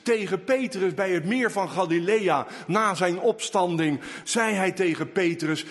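A man preaching a sermon in slow, emphatic delivery, now and then rising to loud calls. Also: high-pitched, long reverb tail.

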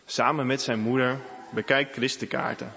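A man reading a children's story aloud in a clear, expressive way. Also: medium pitch, normal speed. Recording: echoey room with faint hiss.

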